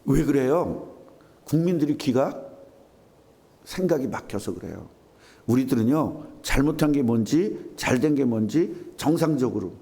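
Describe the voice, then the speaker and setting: Male pastor, mid pitch, mellow warm tone, lively preaching with rhetorical questions to the pews. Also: a little slow. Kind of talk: sermon. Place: church sanctuary.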